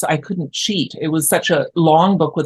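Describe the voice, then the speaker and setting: Somewhat breathy and fairly low-pitched, a woman speaks with a Canadian accent and ordinary pitch variation. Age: 60s. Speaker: children's author. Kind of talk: interview.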